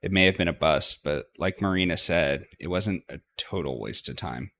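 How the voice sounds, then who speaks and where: A man's voice: low voice, normal speed, fairly bright tone. A man hosting a let's play, reading visual novel narration aloud and now and then stumbling over words.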